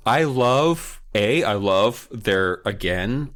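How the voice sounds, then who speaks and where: A man's voice: on the low side, expressive, drawn-out words, a bit bright. A man co-hosting a podcast in casual comic chat, prone to swearing and exaggerated exasperation. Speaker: podcast co-host. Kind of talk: casual comic chat, critiquing book covers.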